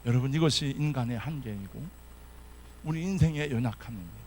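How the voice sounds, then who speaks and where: A man's voice: medium pitch, expressive, brisk, darkish tone, slight background noise. A man preaching a sermon as a pastor, telling the story dramatically and acting out the characters' lines.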